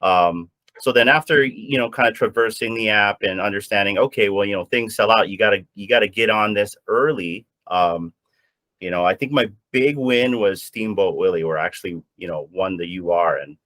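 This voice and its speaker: A man's voice: on the low side, normal speed, a bit bright, no room sound. A man from Hawaii chatting casually on a panel, a little nervous, stammering and rambling. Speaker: guest panelist. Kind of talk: casual chat.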